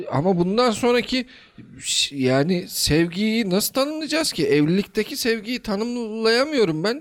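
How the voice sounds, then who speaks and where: A man with a high-pitched voice speaks at a fairly slow pace with very wide pitch swings. His loudness stays very even. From Aegean Turkey. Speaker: podcast co-host. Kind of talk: casual chat.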